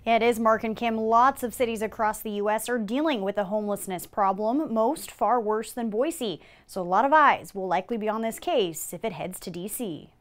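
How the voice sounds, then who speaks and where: A young adult woman reporting the news in a measured, steady way from a TV studio. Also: fairly high pitch.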